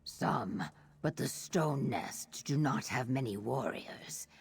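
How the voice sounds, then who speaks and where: A woman voicing a stern, devoted reptilian tribal warrior in a video game, speaking solemnly and formally with a raspy, gravelly voice. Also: very deep voice, expressive, exaggerated voice. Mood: grim resolve. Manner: slow, solemn, formal speech. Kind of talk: video game character acting. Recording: music behind the voice.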